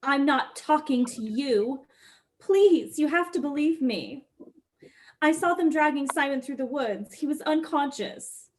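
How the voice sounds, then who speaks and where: Distraught young woman, high-pitched and pleading, played by an actress in a dramatic script read. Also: lively intonation, unhurried, slight background noise. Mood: frantic pleading.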